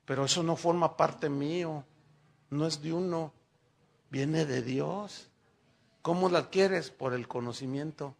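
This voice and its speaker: A middle-aged man, preaching a sermon and telling lively stories while speaking directly to the congregation. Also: a little high, measured pace, creaky. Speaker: pastor.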